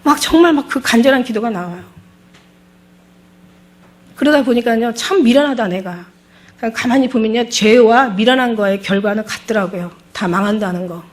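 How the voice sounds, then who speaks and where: A woman's voice: a little high, moderate pace. A middle-aged woman pastor giving an emotional testimony sermon, fervent and repeating her words as she speaks.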